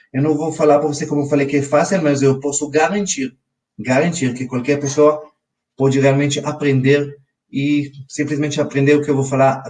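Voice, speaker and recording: A man in his forties with an Israeli accent teaches a live online money class, speaking slightly higher than most men. He keeps turning to his viewers with quick "ok?" check-ins. His voice sits a little back from the microphone. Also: darkish tone, distant mic. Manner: talks straight to his audience, often checking in with "ok?". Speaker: financial educator. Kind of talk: live webinar lesson.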